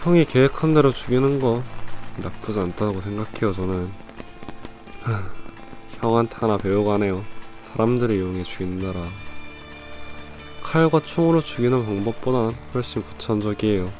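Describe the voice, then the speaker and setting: A man's voice: lowish voice, normal speed, pauses often, a little mellow, soft background music, close to an everyday voice. A young man acting a callous, coolly polite and insolent plotter in an audio drama. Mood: smug, cool. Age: young adult.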